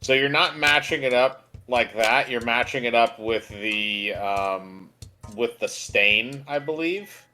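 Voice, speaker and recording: A man's voice: mid-range voice, slow pace, sharp tone. A man chatting casually as co-commentator on a let's play. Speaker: co-commentator on game stream. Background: game music.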